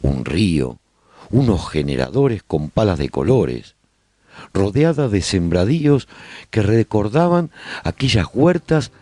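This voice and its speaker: A man narrates a scripted radio serial in a documentary tone, with measured, deliberate phrasing. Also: lowish voice, big pitch swings, mellow, no echo, studio quality.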